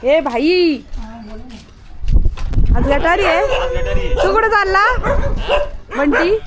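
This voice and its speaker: High-voiced woman chatting to her dogs. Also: animated, drawn-out words, noisy background. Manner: chatty, coaxing and scolding dogs. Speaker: vlogger with pet dogs. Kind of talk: casual talk to pets and neighbors.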